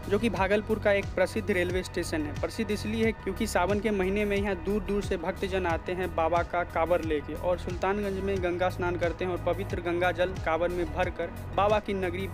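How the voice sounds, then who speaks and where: Young guy vlogging on a train, high voice, music playing under it. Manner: informal, addresses viewers as bhaiya. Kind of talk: casual travel vlog narration. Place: on a moving train, outdoors by the open door. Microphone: wireless clip mic. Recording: loud train noise and background music.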